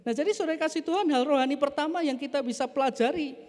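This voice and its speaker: A man's voice: extremely high pitch, quick pace. A male pastor preaching a sermon, often addressing the congregation as "brothers and sisters". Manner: addresses the congregation as "saudara", animated storytelling. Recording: echoey church hall.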